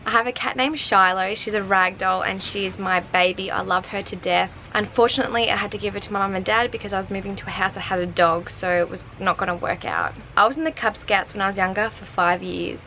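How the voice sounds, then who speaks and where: Woman, twenties, German first language, casual vlog chat, upbeat, filler-heavy, middle pitch, faint background hiss. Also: bright, forceful tone, low-quality recording. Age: 20s. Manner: chatty and upbeat, with lots of "like" fillers. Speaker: vlogger. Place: porch in front of wooden shutters, outdoors. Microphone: camera in front at chest height.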